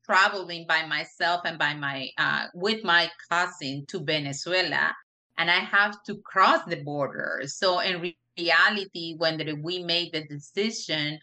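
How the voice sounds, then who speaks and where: A middle-aged woman from Peru with a Peruvian Spanish accent, telling her story as an interview guest in an earnest, halting way with many fillers. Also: low voice, bright, forceful tone. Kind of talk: interview conversation.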